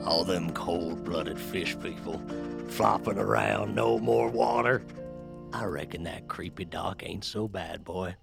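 An actor playing a blunt, folksy backwoods man who talks in a drawling, gravelly way. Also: low-pitched, expressive, takes it slowly, heavily acted. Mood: gloating. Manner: folksy drawling talk, calls people boy. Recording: music behind.

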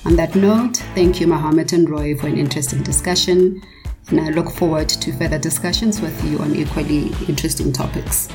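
A woman's voice: deep voice, fairly even intonation, fairly quick, over music. A woman speaking formally and carefully, explaining points in a prepared legal panel discussion.

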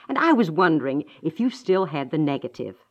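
A sentimental neighbor lady in an old radio comedy. Her voice is on the low side and very animated, chatty and polite. It sounds like a muffled fifties broadcast. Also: a little fast, full character voice. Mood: chatty, fond. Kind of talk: 1950s radio domestic comedy acting. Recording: muffled 1950s radio recording.

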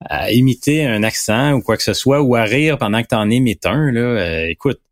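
Québécois man, easygoing co-host, mid-pitched voice, dry close sound. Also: expressive, moderate pace, no room sound. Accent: Québécois French. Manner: easygoing, agreeable banter. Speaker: sports podcast co-host. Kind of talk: casual chat.

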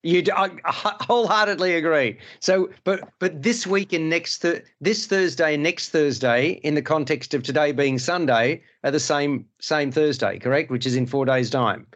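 A man's voice: fairly high pitch, normal speed, few pauses, fairly bright tone. A middle-aged man whose first language is Hungarian, hosting a casual film-review panel and rambling through restarts and digressions. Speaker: podcast host.

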